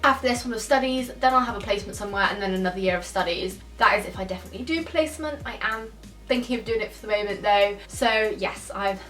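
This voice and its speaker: A woman's voice: medium pitch, fast talker, fairly bright tone, recorded from a distance. A twenty-year-old woman who grew up in Spain, chatting casually through viewer questions and thinking aloud as she goes. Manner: chatty, thinks aloud, laughs now and then. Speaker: YouTuber answering viewer questions. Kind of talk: casual Q&A chat. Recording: echoey room, voice a bit off-mic, faint music.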